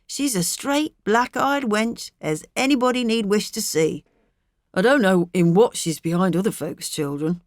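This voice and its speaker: A woman's voice: medium pitch, unhurried, no echo, clean studio sound, close to an everyday voice. A woman as a blunt, emphatic country father. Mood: dismissive, proud. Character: blunt, opinionated countryman father, rash and fond.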